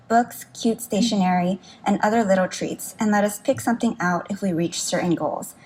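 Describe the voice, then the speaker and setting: A woman delivers a prepared eulogy, reading it aloud as a daughter would at a memorial. Her voice sits at an average pitch for a woman. There is noticeable noise around her in the live recording. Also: darkish tone, poor audio. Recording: live speech with clear background noise.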